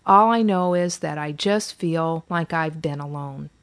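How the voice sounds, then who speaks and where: A woman's voice: deep voice, measured pace. A woman reading a weary, sarcastic mother. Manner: defensive, exasperated, apologetic.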